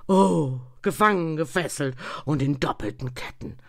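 A reader voicing an anguished old male ghost in chains, declaiming loudly in a very dry recording. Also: medium pitch, normal speed, no echo, natural voice. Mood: lamenting. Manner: loud, pleading declamation with sudden whispers. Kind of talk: audiobook reading.

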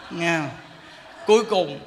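A man giving a jokey, animated Buddhist sermon in a large temple hall, often laughing while he speaks. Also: on the high side, takes it slowly, noisy background. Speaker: Buddhist monk giving a dharma talk.

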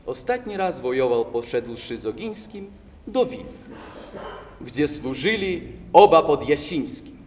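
A young man declaiming verse at a contest with expressive, swelling delivery. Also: on the high side, a little slow, slight background noise. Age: young adult. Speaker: recitation contestant. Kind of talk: dramatic verse recitation. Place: large hall, stage. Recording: echoey hall from far off.

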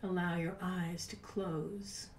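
A woman in her sixties leading a guided meditation in a soft, breathy, unhurried voice with long pauses, at times near a whisper. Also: fairly low pitch, flat delivery. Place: small home room, indoors. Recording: roomy, distant mic with background noise.

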